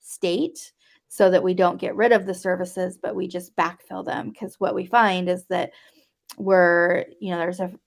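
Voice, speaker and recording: A woman's voice: lowish voice, fairly even intonation, measured pace, vocal fry. A woman guest advocate answering interview questions, hesitant with many fillers.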